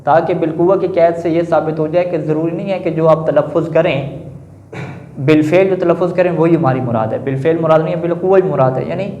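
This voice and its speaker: A man's voice: a little high, fairly even intonation, warm tone. Man lecturing, answering his own questions. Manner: asks the class questions and answers them himself; repeats a confirming filler often. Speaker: teacher. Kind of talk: classroom lecture on Arabic grammar. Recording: echoey room, dull lo-fi sound.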